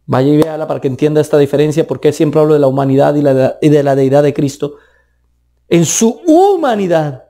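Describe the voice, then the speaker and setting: A man with a Colombian accent preaches a sermon emphatically, his pitch rising and dropping sharply for stress. His voice has vocal fry and a warm tone.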